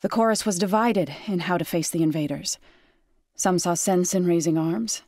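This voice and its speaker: A woman playing a gentle, resolute tribal warrior in a video game, speaking in a measured, solemn, softly sincere way. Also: lowish voice, dry recording, studio quality. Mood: solemn, reflective. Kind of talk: scripted game character dialogue. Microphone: close studio microphone.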